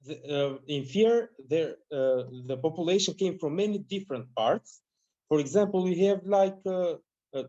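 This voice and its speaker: A man's voice: fairly high pitch, mellow. Young Albanian man on a muffled call. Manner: hesitant, many fillers and restarts. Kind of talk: casual video call discussion. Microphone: laptop mic on video call. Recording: dull lo-fi call audio.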